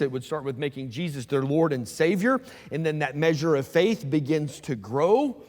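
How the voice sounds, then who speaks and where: Fast-talking pastor. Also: male voice, a little high. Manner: fast-talking, conversational preacher with asides. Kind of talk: sermon. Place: church sanctuary. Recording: long church hall reverb.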